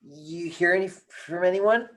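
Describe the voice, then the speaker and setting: A woman playing a gentle, concerned teenage boy, hesitant and caring, in a table read. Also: on the low side, normal speed, close to an everyday voice. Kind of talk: amateur screenplay table read.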